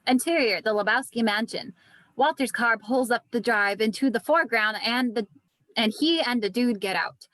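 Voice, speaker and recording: A woman's voice: a little high, moderate pace, fairly bright tone, no echo. A woman narrating screenplay stage directions in a virtual table read.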